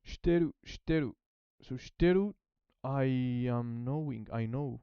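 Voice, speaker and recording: A man's voice: medium pitch, moderate pace, clean tone, highs cut off, soft background music. A man who is not a native Japanese speaker, thinking aloud and repeating phrases as he works through them in a casual study vlog. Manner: hesitant, repeats phrases while translating. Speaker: language learner.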